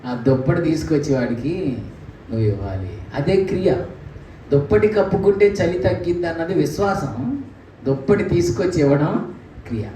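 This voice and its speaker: Animated preacher in an echoey church. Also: male voice, on the high side. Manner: animated, mimics scripture voices, rhetorical questions. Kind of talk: sermon. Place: church hall. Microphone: handheld mic. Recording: echoey church room, distant mic, faint noise.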